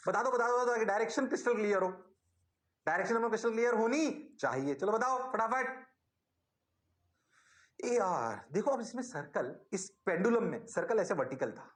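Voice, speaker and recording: A man teaching physics in an online class, energetic and coaxing, repeating prompts to his students. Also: sits high, reverberant.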